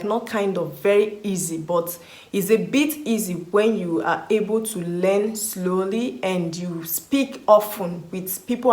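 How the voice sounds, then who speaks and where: A woman's voice: mid-range voice, roomy sound. Chatty young woman, Nigerian accent. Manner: chatty, repeats words for stress. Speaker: vlogger. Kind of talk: casual Q&A vlog.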